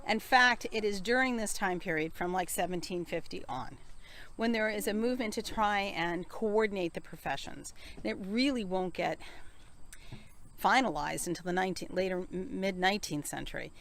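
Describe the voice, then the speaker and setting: A woman's voice: medium pitch, a little hiss or hum. An American woman leading a walking tour outdoors on a village street, explaining as she goes with asides and self-corrections. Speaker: tour guide.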